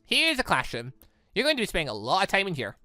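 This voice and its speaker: Streamer playing brash animal-eared game girl, sassy, blunt, bright, swooping pitch. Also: huge pitch swings, fast talker, no echo, faint music behind. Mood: bossy. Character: brash, teasing young rabbit-eared faunus girl.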